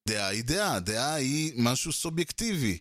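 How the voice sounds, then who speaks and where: A man's voice: mid-range voice, big pitch swings, fairly bright tone, no echo, studio quality. A man hosting a solo podcast, talking through his thoughts in a loose conversational way, with lots of fillers and restarts, and often acting out both sides of an argument. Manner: conversational, many fillers and restarts, acts out quoted exchanges. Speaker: podcast host.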